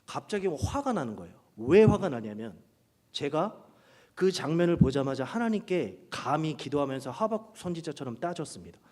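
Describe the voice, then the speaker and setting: Animated male pastor in a reverberant church. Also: a little high, normal speed. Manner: animated, humorous storytelling. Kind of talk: sermon with personal stories. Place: church sanctuary during a worship service. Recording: long reverb of a large hall.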